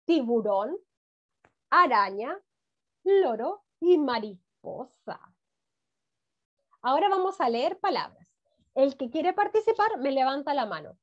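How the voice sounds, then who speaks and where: Slow high-voiced teacher on a video call. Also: female voice. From Chile. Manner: warm encouraging praise, drawn-out words, frequent "muy bien". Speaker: first-grade teacher. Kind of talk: online class teaching reading. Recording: dull lo-fi video call audio.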